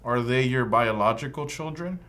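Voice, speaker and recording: A man voicing an immigration officer running an interview. He asks one formal question after another in a neutral, even manner, at a mid pitch for a man. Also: moderate pace, close to an everyday voice. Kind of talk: scripted practice dialogue.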